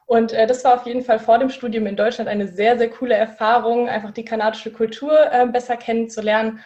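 A woman of twenty co-hosting a podcast in relaxed casual chat, with frequent fillers. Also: a little high, fairly quick, muffled recording. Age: 20s. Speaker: podcast co-host.

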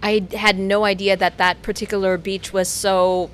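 A woman co-hosting a casual news chat, answering quickly and playfully. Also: medium pitch, flat delivery, slight background noise. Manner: quick, laughing, playful replies. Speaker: co-host.

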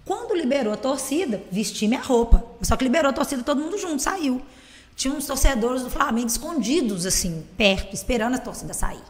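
A woman rattles off stories at high speed, her voice sitting a little high. She is animated and laughs often. The sound has a long, hall-like reverb. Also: fast. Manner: animated, laughing, swearing freely. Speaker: guest; teacher, football fan. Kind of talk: casual chat, storytelling.

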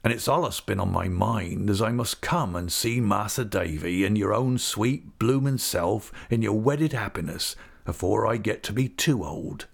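A man performs a hale old seafarer for an audiobook, speaking in broad country dialect. His delivery is slow, affectionate and hearty, with a lively rise and fall on a fairly low male voice. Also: creaky. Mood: warm, earnest. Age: older. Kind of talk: audiobook character voice.

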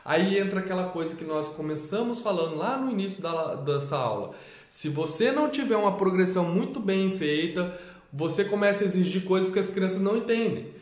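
A man's voice: high-pitched, animated, a little fast, reverberant. A man presenting a children's literacy method in a lesson, explaining step by step and answering his own questions.

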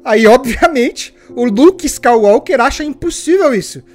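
A woman's voice: sits high, measured pace, faint music behind. A woman preaching a sermon, telling stories with energy and asking her listeners pointed rhetorical questions. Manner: lively storytelling, asks rhetorical questions.

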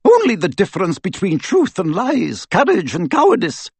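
A man voicing a stern older woman professor who speaks in a crisp, clipped, icily formal way. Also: sits high, wildly swooping pitch, normal speed, no room sound, voice pushed up, heavily acted. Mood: scornful.

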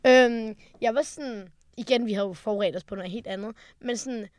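Young woman, fairly high voice, halting casual chat, dry close sound. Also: smooth, no echo. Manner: hesitant, many fillers and restarts.

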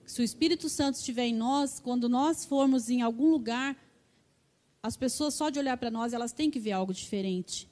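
This fairly high-pitched, slightly mellow female voice moves briskly. It belongs to a middle-aged woman with a Brazilian Portuguese accent who delivers a sermon of fervent personal testimony, habitually adding "né" to her sentences.

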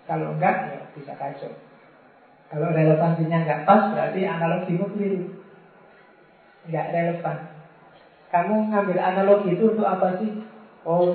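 A man giving an informal religious lecture, teasing his listeners with playful examples. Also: sits high. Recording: tinny, echoey, far from mic.

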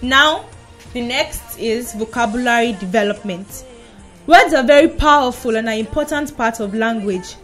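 A woman with a Nigerian accent hosts a children's radio program from a studio, and her voice sits a little high. She reads her script with bright, emphatic announcer energy. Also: normal speed, faint music behind. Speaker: radio show presenter.

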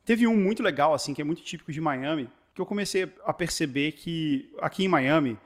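A man from Brazil with a Brazilian Portuguese accent, telling stories in casual chat, animated and full of restarts. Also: on the high side, a little fast. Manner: animated storyteller, many restarts and fillers.

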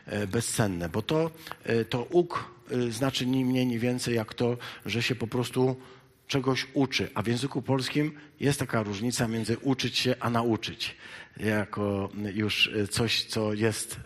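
A man preaching a sermon, shifting between loud, emphatic exhortation and quiet, halting asides full of hesitations. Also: mid-range voice. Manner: halting, with many hesitation fillers.

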